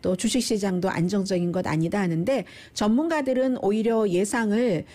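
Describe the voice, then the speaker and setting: A woman's voice: mid-range voice, brisk, warm tone. A middle-aged woman presenting the news in a conversational commentary style, explaining at length and talking directly to her listeners.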